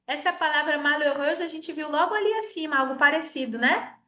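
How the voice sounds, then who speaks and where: A high-voiced woman from Espírito Santo teaches French in a Brazilian Portuguese accent, coaxing her students to repeat after her. She slows right down to model each French word. Her voice rings in a roomy, echoing space. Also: sharp tone, highs cut off. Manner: explains patiently, coaxes viewers to repeat sounds; models French words slowly. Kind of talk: online language lesson.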